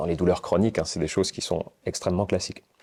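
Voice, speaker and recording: This man's voice has a dark, mellow tone. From Belgium. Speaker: hypnotherapist. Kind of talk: casual conversation. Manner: hesitant, many fillers.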